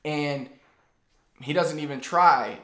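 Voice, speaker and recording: A man in his thirties giving a casual, animated lesson to the camera in a small room. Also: fairly high pitch, slow pace, reverberant. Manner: animated, gestures a lot while talking. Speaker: language teacher. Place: small plain room indoors.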